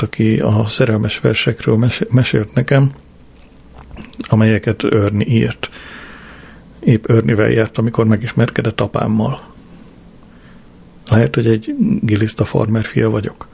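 A man's voice: fairly low pitch, creaky, darkish tone, husky. A man reading a diary novel aloud as the audiobook narrator, in dry first-person narration.

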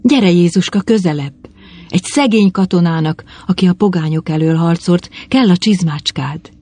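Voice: mid-range voice, animated, creaky, dark tone, husky, full character voice. A narrator voicing a devout, trusting nun who calls out and reassures with urgent fervor, with a somewhat raised voice. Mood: fervent calling.

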